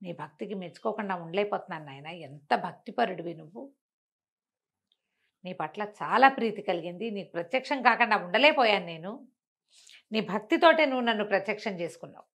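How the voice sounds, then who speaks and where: Casting: benevolent, calm god for a storybook tale, affectionate and fatherly, played by a woman narrator. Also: mid-range voice, a little fast. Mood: pleased, affectionate.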